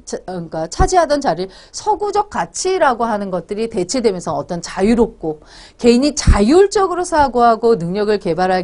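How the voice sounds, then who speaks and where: A woman's voice: fairly high pitch, darkish tone. A woman teaching an exam-prep essay class, casually firing questions at her students and answering them herself. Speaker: essay tutor.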